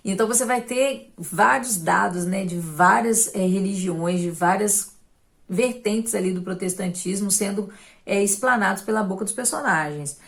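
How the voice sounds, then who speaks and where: A woman hosts her own channel and talks through a book in a relaxed, chatty review. She speaks at a mid pitch for a woman and keeps checking in with the listener through tag questions and little fillers. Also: moderate pace, creaky. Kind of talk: casual spoken book review.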